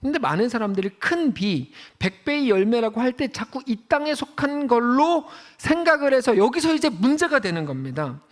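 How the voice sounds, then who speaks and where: High, lively-voiced Korean pastor preaching. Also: male voice, moderate pace, hardly any pauses. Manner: animated, conversational preaching with rhetorical questions; acts out quoted voices mid-sermon. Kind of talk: sermon.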